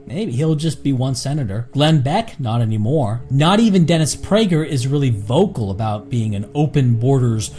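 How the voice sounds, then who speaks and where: Male commentator, nasal voice with a dark, mellow tone, blunt and combative scripted delivery. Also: medium pitch, breathy edge. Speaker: political commentator.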